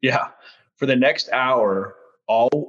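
In an American accent, a man speaks at a very slow pace. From southern Ohio, Portsmouth. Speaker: gym owner and army veteran. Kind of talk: casual interview.

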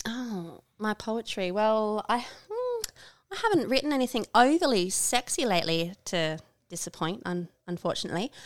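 Fairly high in pitch, a woman with an Australian accent speaks at a moderate pace. The recording is very clean, with a silent background. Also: lively intonation. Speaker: poet, podcast guest. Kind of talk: casual chat. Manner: halting.

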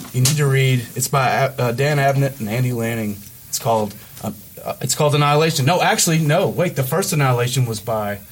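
Against noticeable background noise, a man speaks fairly quickly at a medium pitch with ordinary pitch variation. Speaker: podcast host, comic store co-owner's brother. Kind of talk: casual chat. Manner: loud, talks over others.

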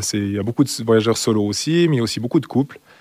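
A man talks in a medium register, his pitch moving in an ordinary way. The audio is very clean, and nothing can be heard behind him. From French-speaking Switzerland, Fribourg. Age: 30s. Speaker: traveller. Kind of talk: interview. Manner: hesitant, many fillers.

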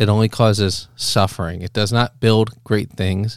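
A man with an American accent talks in a plain, everyday voice at a medium pitch. His pace is moderate, and the recording is very clean with a silent background. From US Northeast, Philadelphia area. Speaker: podcast host. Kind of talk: solo commentary monologue.

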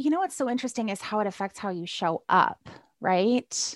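Here a woman has a normal speaking voice with ordinary pitch variation. The sound is dry and close with no echo, in a very clean recording with a silent background. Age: 40s. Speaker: self-love coach. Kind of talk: interview.

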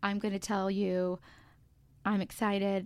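A woman speaks at a medium pitch with a warm, upbeat tone. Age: 40s. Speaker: wellness podcast host. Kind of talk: motivational solo podcast talk. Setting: home desk by a window.

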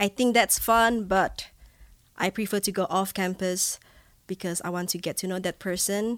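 A woman with a Malaysian accent speaks at a moderate pace in a medium pitch with fairly even intonation, on a very clean recording with a silent background and a dry, close sound with no echo. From Malaysia, Borneo. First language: Bidayuh. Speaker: podcast co-host, student. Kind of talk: casual chat. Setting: studio.

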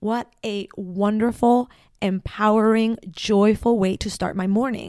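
In a Spanish accent, a woman speaks fairly slowly in a monotone, flat way, her fairly high voice dark and mellow in tone. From Ecuador. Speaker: podcast host, spiritual coach. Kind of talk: solo podcast monologue. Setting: at home, living room.

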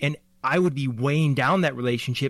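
An unremarkable speaking voice with an American accent shows ordinary pitch variation. The recording is very clean, with a silent background. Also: man. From US Midwest, Michigan. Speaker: podcast host. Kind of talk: casual chat.

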